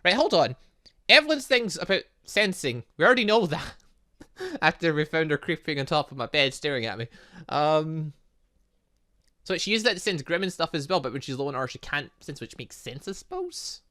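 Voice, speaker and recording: A gaming host with a bright, forceful voice talks through a playthrough in a rambling way. The delivery is very lively in pitch, breaking off and restarting with mild exasperation. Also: moderate pace. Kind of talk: excitable let's play commentary with read-aloud dialogue.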